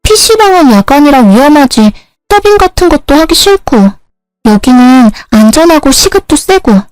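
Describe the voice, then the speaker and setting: A woman voicing a younger sister, a young woman who pleads in a high, whiny voice. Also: big pitch swings, normal speed, dry recording, soft background music, poor audio. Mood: pleading.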